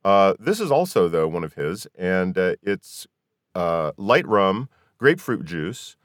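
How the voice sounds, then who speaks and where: A man's voice: low-pitched, big pitch swings, measured pace, dry recording, clean studio sound. A man hosting a podcast, chatting casually as he interviews guests. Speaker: podcast host.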